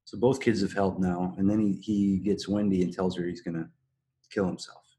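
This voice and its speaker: A man's voice: sits low, fairly even intonation, normal speed, dark tone. A man talking casually as a podcast host, analysing and explaining an episode in a recap style.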